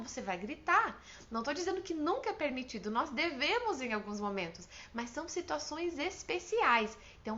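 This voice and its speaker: Brazilian woman, earnest parenting coach, high bright voice, slightly dull lo-fi recording. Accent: Brazilian Portuguese. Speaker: parenting advice host, mother. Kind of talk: direct-to-camera advice talk.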